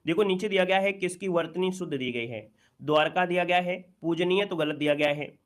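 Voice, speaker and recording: A man with a slightly higher-than-average voice leads an exam-prep Hindi spelling lesson. He walks through each question patiently and keeps asking rhetorical questions so he can answer them himself. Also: brisk.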